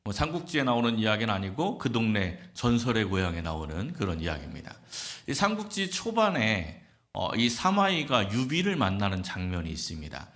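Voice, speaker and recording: Animated low-voiced preacher telling a story. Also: male voice. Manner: animated storytelling with acted quotes. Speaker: pastor. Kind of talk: sermon.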